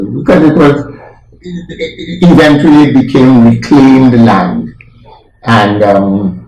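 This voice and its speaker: Low-voiced man in his eighties. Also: darkish tone, reverberant, poor audio. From Trinidad. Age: 80s. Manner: hesitant, searching for words with many ums. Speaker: interviewee. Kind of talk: reminiscing in an interview.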